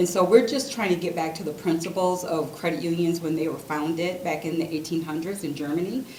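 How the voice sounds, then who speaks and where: A woman's very deep, low voice with fairly even intonation, audible room echo and noticeable background noise. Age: 60s. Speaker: credit union executive. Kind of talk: speech at a ceremony. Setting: indoor event with audience. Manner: hesitant, many fillers.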